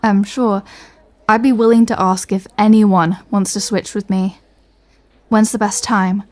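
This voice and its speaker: A woman's voice: mid-range voice, steady tone, measured pace, a little mellow, no room sound, close to an everyday voice. A woman playing a sardonic, fed-up superhero in a comedy audio roleplay, speaking in a dry way. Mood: polite, awkward. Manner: dry, irritated, sarcastic.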